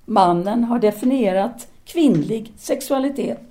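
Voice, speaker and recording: A woman's voice: fairly high pitch, mellow, close to an everyday voice. An actress playing a self-assured, seductive intellectual woman, a didactic and teasing free thinker in an audio drama. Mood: firm, didactic.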